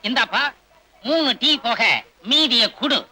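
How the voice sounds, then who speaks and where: A bright-voiced scheming cheapskate. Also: male voice, very high voice, slow, full character voice. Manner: grumbling asides, wheedling. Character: scheming middle-aged male gambler, cheapskate.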